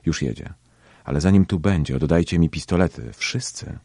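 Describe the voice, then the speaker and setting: A man's voice: extremely low pitch, expressive, moderate pace, creaky, mellow, husky, dry recording, clean studio sound, full character voice. A man voicing a suspicious middle-aged police lieutenant in an audiobook story, asking curt, demanding questions.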